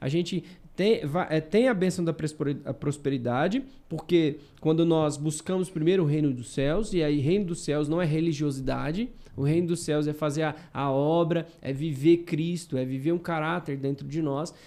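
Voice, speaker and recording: Speaking at a moderate pace, a man uses a fairly high pitch with ordinary pitch variation and a dark, mellow tone. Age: 30s. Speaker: podcast host. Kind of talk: casual chat.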